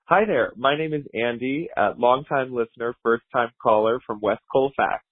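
A man's voice: mid-range voice, normal speed, slightly rough, no room sound, faint music behind. Friendly man on a tinny phone line. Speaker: caller. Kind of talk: voicemail message.

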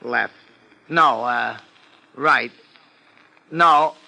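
Anxious, piercing New York lowbrow husband. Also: male voice, drawn-out words, creaky, pushed and bright, full character voice, rough recording. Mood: earnest, slangy. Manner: slangy tough-guy street talk with mangled grammar. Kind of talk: 1950s radio drama acting.

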